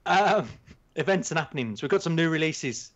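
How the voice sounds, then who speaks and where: A man's voice: on the high side, expressive, normal speed. A man with a Black Country accent hosts a casual podcast in a rambling, jokey, self-mocking way. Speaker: podcast host. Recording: slightly dull, lo-fi sound.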